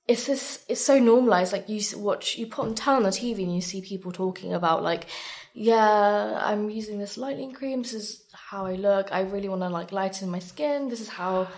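A woman's voice: mid-range voice, normal speed, a little mellow. A woman born in Sri Lanka speaking candidly and emphatically as a guest in a casual interview, often saying "like". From born in Sri Lanka, moved abroad aged three or four. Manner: earnest, emphatic, frequent "like". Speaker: guest, beauty content creator.

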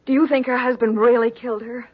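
An earnest American woman played by an actress as a detective's concerned assistant in a 1940s radio play. Her voice is a little rough-edged, on a muffled old recording. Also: a little high, flat delivery, fast talker, lightly acted. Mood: concerned, urgent. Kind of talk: 1940s radio drama acting.

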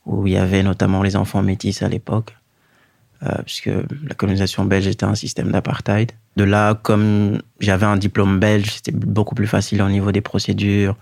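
A man in his thirties from Guinea, a native Fula speaker, telling his own story as an interview guest in a measured way with many pauses and fillers. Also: lowish voice, monotone, creaky, a little mellow, no room sound, studio quality. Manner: measured, pausing often with fillers. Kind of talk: reflective personal storytelling.

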